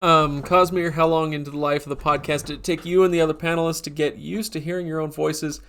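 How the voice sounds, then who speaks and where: Stuffy nasal guy rambling on a live stream, bit high, gravelly edges. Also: little pitch movement, fast, a bit bright. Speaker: podcast host. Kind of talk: casual live-stream chat.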